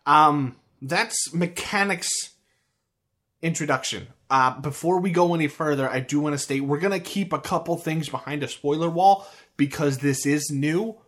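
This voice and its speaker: A man's voice: a little high, normal speed, a bit bright. American man in rambling podcast chat. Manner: rambling, with frequent restarts and fillers. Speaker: podcast co-host. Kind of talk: casual chat.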